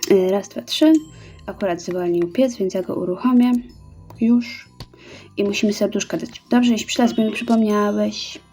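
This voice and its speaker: A woman gives relaxed let's-play commentary in a warm, mellow voice. She chats as she goes, reading orders aloud and counting out each step. Quiet game music runs underneath. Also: mid-range voice, normal speed. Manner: chatty, reads orders aloud and counts out steps. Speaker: gaming YouTuber.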